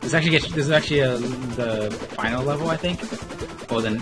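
A man's voice: medium pitch, fast. A man playing a game and giving offhand running commentary as co-host. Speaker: let's play player and co-host. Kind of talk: casual gaming commentary. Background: game music and gunfire.

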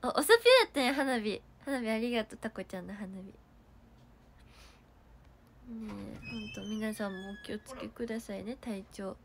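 Chatting on a casual livestream, this young idol streamer with a Kansai accent reads comments aloud and thanks her viewers, though she has a cough and sore throat. She speaks at a normal speed in a higher register, and a faint hiss or hum can be heard.

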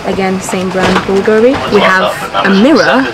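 A woman's voice: mid-range voice, moderate pace, a loud crowd. A young woman vlogging from an airplane seat, chatty and enthusiastic as she shows things to camera, filmed at arm's length. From Persian-speaking family. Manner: chatty and enthusiastic, easily impressed. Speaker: travel vlogger. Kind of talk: casual travel vlog chat to camera. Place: airplane business class cabin. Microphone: handheld camera at arm's length. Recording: background music under the voice.

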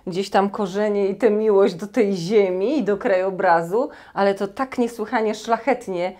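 Middle-aged woman host, mid-pitched, gushing admiring questions, lapel mic in a small room. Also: normal speed, a little mellow. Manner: effusive, with apologetic interruptions. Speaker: interviewer. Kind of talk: conversational interview. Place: small cozy room, indoors.

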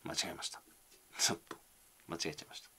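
A man's voice: quick pace, sharp tone. A young man, reading viewer comments aloud on a casual livestream and answering them with self-deprecating, mumbled asides.

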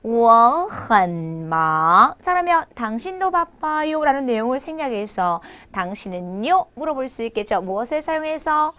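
High, lively woman teaching Chinese. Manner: animated, drills phrases slowly with exaggerated tones. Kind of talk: online language lesson.

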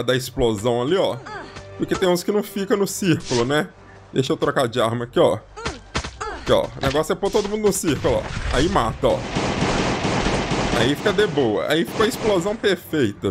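A Brazilian man hosts his gaming channel with chatty, excitable commentary, often repeating words in rapid bursts. His voice sits fairly high and swings widely in pitch. Game music plays clearly under him, with gunfire mixed in. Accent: Brazilian Portuguese. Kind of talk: casual gameplay commentary.

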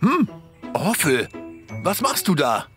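Excitable cartoon dad, friendly, pitch all over the place, music behind. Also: male voice, slow pace, full character voice. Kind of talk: dubbed children's cartoon acting.

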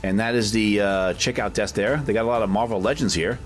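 In a packed, medium-sized shop, a vlog host who collects comics gives a loose, chatty tour, often tacking questions onto what he says. He films with a handheld camera and speaks briskly in a lowish voice, with soft background music.

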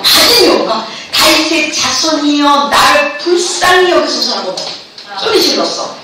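A woman's voice: high-pitched, animated, a little slow. A middle-aged woman pastor preaching fervently to students, having them repeat after her. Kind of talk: sermon to students at a camp. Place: large echoey hall. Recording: echoey hall, distant mic, background noise.

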